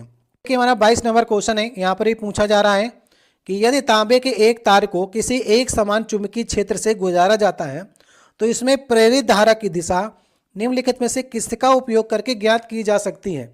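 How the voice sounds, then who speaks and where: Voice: mid-range voice, normal speed. A teacher explaining past exam questions step by step, repeating key points and checking in often with the listener. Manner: patient, repetitive explaining with frequent check-ins. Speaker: exam coach. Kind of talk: exam-prep lesson walking through past questions.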